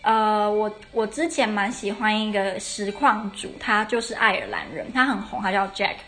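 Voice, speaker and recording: A woman's voice: medium pitch, moderate pace, fairly bright tone. A young woman hosts a casual podcast lesson. She explains things step by step and often corrects herself mid-sentence. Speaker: podcast host. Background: faint traditional Irish music.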